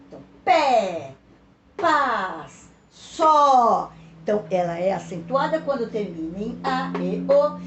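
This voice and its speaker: A woman teacher with a São Paulo Brazilian accent explains a lesson for pupils slowly and patiently, repeating key words and checking in with her listeners. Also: on the high side, echoey room, a little hiss or hum. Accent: Brazilian Portuguese, São Paulo.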